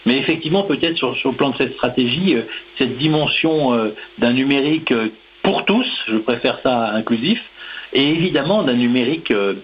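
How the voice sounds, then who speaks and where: A man talks as a radio guest, hesitating often and circling back to restart his sentences. His voice sits at an ordinary pitch. The line sounds slightly muffled, with a faint hiss underneath. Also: moderate pace. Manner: hesitant, many fillers and restarts. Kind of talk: radio discussion.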